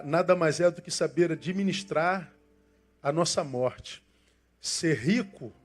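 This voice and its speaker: This sermon comes from an older pastor with a fairly high pitch and a Brazilian Portuguese accent. He preaches passionately, alternating forceful emphasis with gentle asides.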